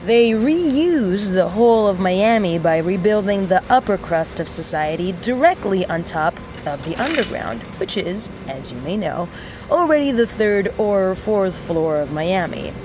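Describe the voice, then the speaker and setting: A woman playing a sardonic mechanic in a sci-fi audio drama, rambling to a listener with mock-solemn, theatrical pauses. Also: medium pitch, lively intonation, background noise, natural voice. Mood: dry sarcasm. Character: sardonic, rambling young female mechanic in an underground resistance.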